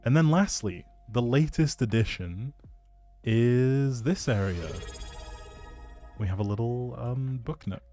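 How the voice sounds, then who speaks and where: A man's voice: medium pitch, dark tone. A man chatting casually as a livestream host, showing off a game build in a playful, self-deprecating, rambling way. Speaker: streamer, host.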